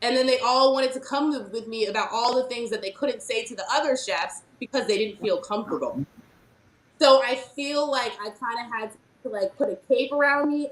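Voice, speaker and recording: A woman's voice: a little high, roomy sound, poor audio. A woman chef speaking earnestly and emphatically on a panel about her experience at work. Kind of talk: panel discussion, personal story.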